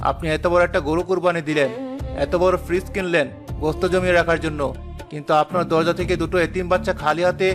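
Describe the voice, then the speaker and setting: A man's voice: on the high side, fairly even intonation, fast talker, close to an everyday voice. An actor voicing an earnest young village man in a cartoon, pleading and reproachful. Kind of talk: cartoon voice acting. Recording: music underneath.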